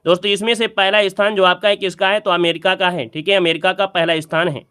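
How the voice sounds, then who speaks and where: Male exam-prep teacher, high-pitched, repetitive quizzing delivery. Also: flat delivery, fast, pushed and bright, clean tone. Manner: repetitive, quizzing the viewer and repeating key answers. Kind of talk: exam practice lesson.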